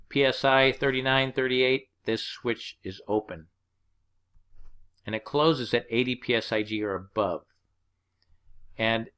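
Here a man with a medium-pitched, clean, fairly bright voice teaches HVAC using slides. His delivery is plain and explanatory as he breaks the numbers down step by step.

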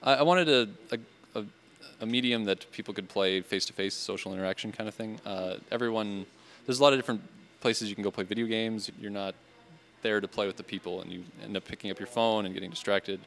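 Quick, earnest young man, low voice. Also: creaky, fairly bright tone, slight background noise. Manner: quick, earnest, slightly halting. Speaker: cafe owner. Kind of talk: interview answers. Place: board game cafe by the shelves. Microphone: handheld mic.

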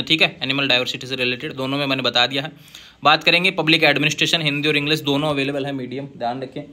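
A man tutoring students through exam guess questions in a casual lesson, reading each question aloud and dropping in friendly asides, with English terms spelled out slowly. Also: on the high side, fairly bright tone. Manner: reads questions aloud, adds "है ना" and "भैया" asides. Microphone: voice-over on screen recording.

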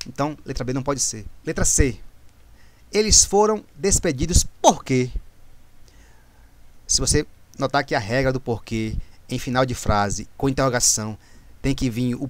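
A man, talking through exam grammar questions as a tutor, repeating himself and correcting his own slips. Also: mid-range voice. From Brazil. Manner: explanatory, repeats and self-corrects, frequent "né?".

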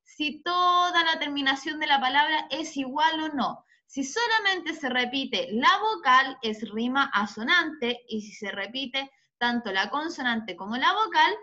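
A woman's voice: high voice, expressive, bright, forceful tone. Patient teacher quizzing her class. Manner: patient, slow, quizzing students. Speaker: schoolteacher. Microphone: video call. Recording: muffled video-call audio.

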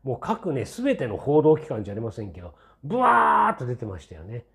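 A man's voice: medium pitch, wildly swooping pitch, fast talker, gravelly, fairly bright tone. A man in his sixties hosting his own channel, giving a casual, rambling opinion commentary full of fillers, with a mildly skeptical, mocking edge. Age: 60s. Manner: chatty and rambling, many fillers and tag asides. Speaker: channel host.

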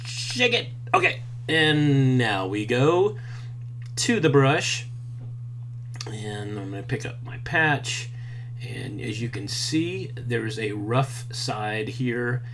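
A man in his fifties explaining a craft step by step in a relaxed, chatty way, with plenty of fillers. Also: medium pitch, slow, a little hiss or hum. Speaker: maker teaching a craft. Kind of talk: hands-on tutorial. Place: indoors at a workbench, later outdoors by a farm fence.

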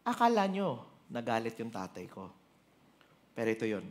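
Animated Filipino man preaching. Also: mid-range voice, normal speed. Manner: animated storytelling, switching between Tagalog and English. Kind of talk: sermon.

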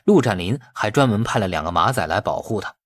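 A man's voice: lowish voice, animated, fast talker, no echo. A man reading a novel aloud as scripted, dramatic audiobook narration.

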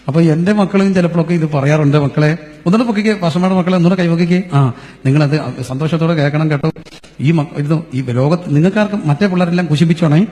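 Pastor guy preaching fast, kinda high voice, big echoey hall, jokey storyteller. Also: dark tone. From Kerala. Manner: storytelling, playful, addresses the crowd as children. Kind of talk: sermon. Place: church or convention hall. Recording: long hall reverb.

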